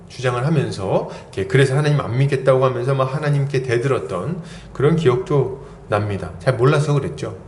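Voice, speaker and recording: A pastor in his forties preaching a sermon, asking his congregation lively rhetorical questions. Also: medium pitch. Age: 40s. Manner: animated, asks the congregation many rhetorical questions. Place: church sanctuary. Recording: roomy church echo, faint background hum.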